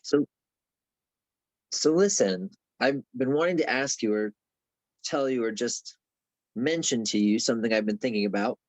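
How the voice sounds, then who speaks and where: A man's voice: mid-range voice, moderate pace, pauses often, dry recording, close to an everyday voice, rough recording. A man playing an evasive, defensive young grad student with a hesitant way of talking in a dramatic table read. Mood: nervous, evasive.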